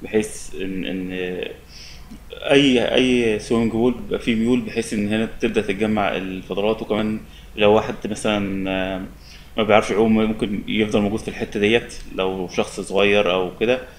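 A young man with an Egyptian Arabic accent giving a relaxed, step-by-step software tutorial at his desk. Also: lowish voice, fairly quick, slight background noise. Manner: relaxed, step-by-step explaining with many fillers. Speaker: software instructor. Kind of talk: screen-recorded software tutorial.

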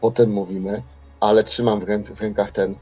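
A man playing a tabletop roleplaying game, describing his character's actions casually and haltingly, repeating words as he goes. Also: on the low side, little pitch movement, mellow, slightly rough. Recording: dull lo-fi microphone sound. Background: music.

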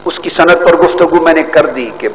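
An older man, a religious scholar, giving a formal hadith lesson from a podium, measured and scholarly with emphatic rises. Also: fairly high pitch. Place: large outdoor stadium stage. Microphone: podium microphones. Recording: hall echo, faint background noise.

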